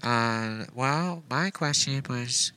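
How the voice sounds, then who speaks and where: Man doing a mopey thirty-something caller, deadpan mumble, crisp bright tone. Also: medium pitch, very slow, dry recording, voice pushed up. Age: 30s. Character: burned-out gloomy male caller in his thirties. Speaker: prank caller.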